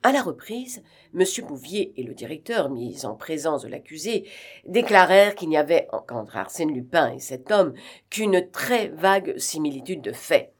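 A woman reads a novel aloud as an audiobook narrator. Her voice is fairly low, and her reading is steady, with occasional small fillers. She sounds like an amateur reader. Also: moderate pace, breathy edge.

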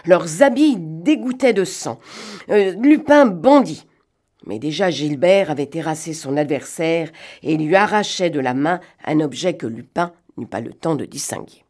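Female reader, fairly low voice; dramatic, suspenseful audiobook narration. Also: lively intonation, unhurried, a little mellow. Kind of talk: dramatic literary reading.

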